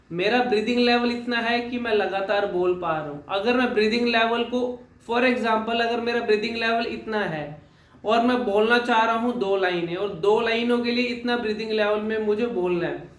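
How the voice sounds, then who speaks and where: Young male speech coach, high-pitched, explains step by step with repeated phrases; echoey room. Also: normal speed. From Haryana, India. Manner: mixes English terms into Hindi, repeats phrases for emphasis. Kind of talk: explanatory lesson talk.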